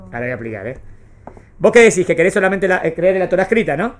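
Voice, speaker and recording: A woman's voice: fairly low pitch, very animated, rapid-fire. A woman with a Rioplatense Spanish accent teaching a class, often checking whether her students have understood. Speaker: religious studies teacher. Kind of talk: classroom lecture.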